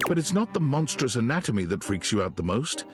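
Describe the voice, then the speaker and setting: A man's voice: medium pitch, big pitch swings, brisk, over music, close to an everyday voice. A man playing a wry, dramatic narrator, reading scripted narration for a video game. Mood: ominous, wry.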